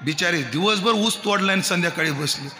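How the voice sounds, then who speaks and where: Kirtan preacher, man, Marathi accent, high ringing voice, booming echo of a large hall with music behind. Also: fairly quick. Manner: jokes with the crowd, breaks into loud chanted verse. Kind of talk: devotional kirtan sermon with sung verses.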